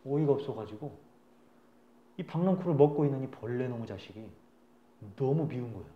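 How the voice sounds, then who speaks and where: Pastor man telling a bible story in his sermon, chatty and animated, voice jumps all over, roomy echo. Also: mid-range voice, brisk, phone-quality sound.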